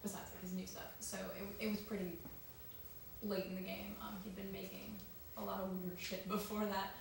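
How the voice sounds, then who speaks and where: Young woman cohost rambling casually, lots of ums, boomy room, mic way off. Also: little pitch movement, moderate pace, creaky. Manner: chatty, with many ums and asides. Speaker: co-host. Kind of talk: casual chat. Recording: echoey room, mic far off, noisy.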